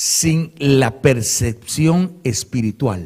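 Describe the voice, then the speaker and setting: Speaking at a very slow pace, a man with a fairly high pitch and a dark, mellow tone lets his voice swing very widely in pitch, sounding somewhat breathy. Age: 60s. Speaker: pastor. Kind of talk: sermon. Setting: pastors' retreat with audience.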